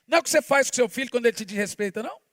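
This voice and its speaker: A man, preaching a sermon as pastor, shifting between forceful shouts and hushed asides. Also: very high voice, racing, no echo, clean studio sound.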